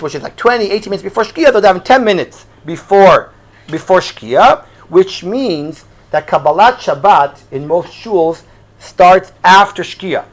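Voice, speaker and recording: A rabbi from Israel who speaks Hebrew teaches an informal religious class to a live group, with a voice that sits high. He's conversational and questioning, sprinkling in Hebrew and Yiddish terms.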